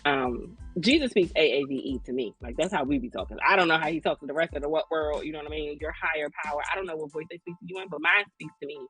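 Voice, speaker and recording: A woman's voice: deep voice, fast talker, hardly any pauses, a bit bright, faint music behind, rough recording. A woman in her thirties from Maryland with an African American English accent, telling stories in a casual, slangy, joking way as a podcast host. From Maryland, United States. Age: 30s. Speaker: podcast co-host, lactation consultant. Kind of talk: casual conversational storytelling.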